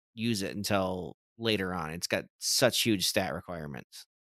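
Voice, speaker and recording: On a very clean recording with a silent background, a man with an East Coast US accent speaks at a moderate pace with lively intonation. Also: dry, close sound with no echo. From US East Coast. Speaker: podcast co-host. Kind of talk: casual chat.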